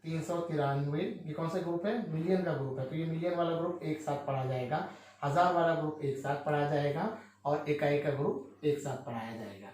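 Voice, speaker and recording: A man's voice: fairly high pitch, a little fast, darkish tone, heavy reverb, a little hiss or hum. A male teacher explaining a maths lesson, who asks questions and answers them himself with frequent checks on his listeners.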